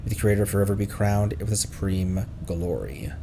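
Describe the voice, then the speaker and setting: A man streaming a video game, giving commentary and reading in-game text aloud, sometimes halting and repeating words as he goes. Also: on the low side, fairly even intonation, noisy background. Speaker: streamer, host of a gaming livestream. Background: game music.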